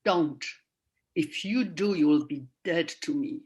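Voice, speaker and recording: A woman's voice: deep voice, slow, a little mellow, dull audio. A woman playing a devout, reproachful elderly Jewish mother in a radio play, pleading and admonishing emphatically. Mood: bitter, unyielding.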